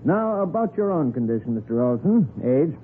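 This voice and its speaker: A man's voice: fairly high pitch, sing-song. Slick con man, thin old-radio sound. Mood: brisk, probing. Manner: brisk, clinical, falsely sympathetic. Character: smooth-talking male con man posing as health inspector. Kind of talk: 1940s radio acting. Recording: noisy, narrow-band 1940s radio recording.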